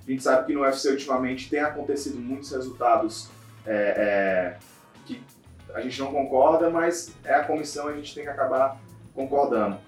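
A man's voice: medium pitch, moderate pace. Roomy, distant man interviewing. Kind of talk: casual interview. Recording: roomy, off-mic with music behind.

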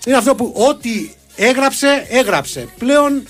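A man's voice: very high voice, expressive, a bit bright, soft background music. A man co-hosting a comedy talk show, teasing his partner in playful, mock-serious banter. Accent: Greek. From Greece. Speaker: co-host.

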